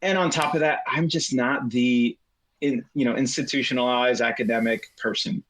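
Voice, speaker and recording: A man's voice: mid-range voice, fairly even intonation, moderate pace, a bit bright. A middle-aged man, a guest telling his life story in a casual chat, rambling with many fillers. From United States.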